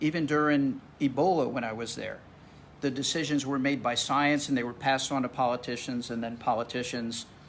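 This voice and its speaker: A man with a normal speaking voice, medium in pitch, fairly quick, with fairly even intonation. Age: 60s. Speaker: doctor / epidemic expert. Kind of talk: interview.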